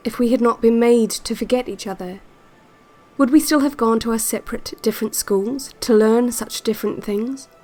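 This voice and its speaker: An actress playing a calm, yearning woman who narrates secret relaxation cassettes in a measured, intimate audio drama monologue. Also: on the high side, natural voice. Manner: measured, deliberate, repetitive phrasing.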